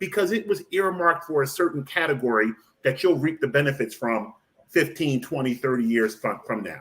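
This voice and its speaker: Talking at a fairly quick pace with an American accent, a man has an unremarkable speaking voice, a fairly high pitch and lively intonation. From Philadelphia, US. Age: 50s. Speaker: podcast host, financial educator. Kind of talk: casual interview chat. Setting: studio.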